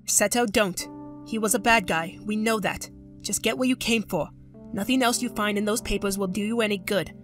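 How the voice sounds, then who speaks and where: A woman's voice: medium pitch, normal speed, fairly bright tone, soft background music, lightly acted. A woman voicing a clever, teasing younger brother, a boy in an audio drama, with a wry, questioning manner. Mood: concerned, urging.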